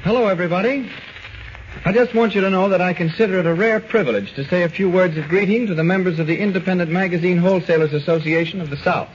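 An actor playing a confident, commanding superhero with brash, declamatory 1940s radio delivery. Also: male voice, high-pitched, quick pace, natural voice. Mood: formal, genial. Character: confident, commanding male comic-book superhero. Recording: muffled, slightly noisy 1940s recording.

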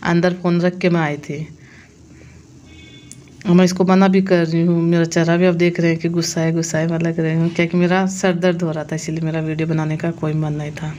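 A woman's voice: lowish voice, flat delivery, a little fast, mellow, muffled recording, a little hiss or hum. A woman in her thirties from India, chatting through a casual voice-over of her family's daily routine and explaining each clip. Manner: chatty, explains what is on screen step by step. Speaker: family vlogger and mother.

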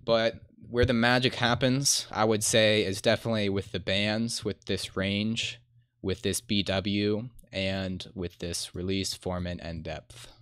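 A man's voice: lowish voice, steady tone, a little slow, clean tone, no room sound. A man in his twenties giving a casual, laid-back music production tutorial in an informal, colloquial way. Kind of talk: casual screen-share tutorial. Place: indoor room at a computer desk. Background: loud electronic synth sounds.

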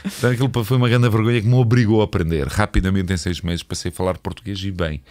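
Deep-voiced man, blunt and passionate. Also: fairly even intonation, quick pace, a little mellow. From Eastern Europe. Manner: blunt and passionate, swears freely. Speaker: guest. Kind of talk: casual podcast conversation. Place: podcast studio. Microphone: studio mic with headphones.

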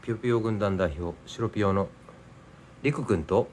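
Low-voiced man with a Nagasaki accent. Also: moderate pace, a little mellow, a little hiss or hum. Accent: Nagasaki dialect. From Nagasaki, Japan. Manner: easygoing, chatty, explains local words. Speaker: home food vlogger. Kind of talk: casual chat while eating and drinking.

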